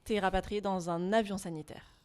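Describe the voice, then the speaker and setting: A young adult woman speaks as a podcast guest, telling her own story in a relaxed, conversational way. She talks at a middle pitch, leaning on fillers and quoted asides as she goes. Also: moderate pace, clean tone.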